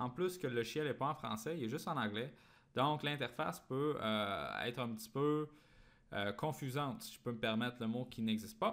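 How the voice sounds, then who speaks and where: With a Quebec accent, the speaker goes at a moderate pace with ordinary pitch variation, in a very clean recording with a silent background. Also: man, medium pitch for a man. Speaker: web marketing consultant. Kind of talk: software tutorial screencast.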